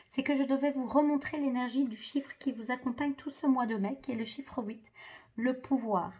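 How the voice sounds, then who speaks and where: A woman's voice: high-pitched, moderate pace, darkish tone. A woman doing a spiritual card reading for viewers, hesitant and full of fillers and restarts. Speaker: tarot card reader.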